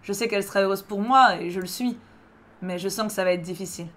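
A woman reading aloud the lines of a young male French singer, a tender lover, in a plain calm voice. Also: mid-range voice, fast, close to an everyday voice. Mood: wistful. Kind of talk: reading visual novel dialogue aloud.

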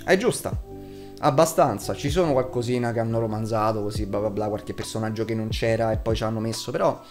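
A man's voice: lowish voice, fairly quick, darkish tone. Blunt young man reviewing, music behind. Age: 20s. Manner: blunt, foul-mouthed, emphatic. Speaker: video reviewer. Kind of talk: casual opinionated review to camera. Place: small room at home, indoors.

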